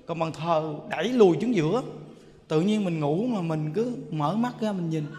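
A man giving a Buddhist sermon, telling stories in an animated way, repeating himself and addressing listeners directly. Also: fairly high pitch, normal speed. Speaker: Buddhist monk teacher. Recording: long reverb hall.

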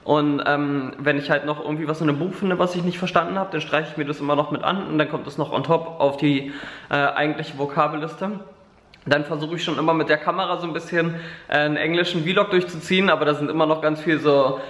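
A man's voice: on the high side, fairly even intonation, fast talker, a bit bright, roomy sound. A man in his twenties vlogging casually at home, rambling with lots of fillers, talking to a camera held at arm's length. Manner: rambling, filler-heavy, chatty. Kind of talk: casual daily vlog chat. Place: living room at home, indoors.

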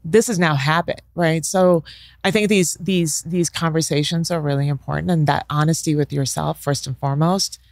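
A middle-aged woman, a negotiation professor, speaks reflectively as an interview guest into a studio mic on a boom arm, in a bright studio furnished with leather armchairs. Her voice is low and a little mellow, with fairly even intonation and a moderate pace, and there is no room sound. She is thoughtful and often checks in with "right?" while scattering "sort of" through her talk.

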